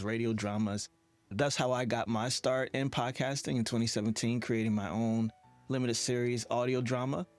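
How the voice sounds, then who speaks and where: A man hosting an interview in a conversational style. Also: medium pitch. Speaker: interview host.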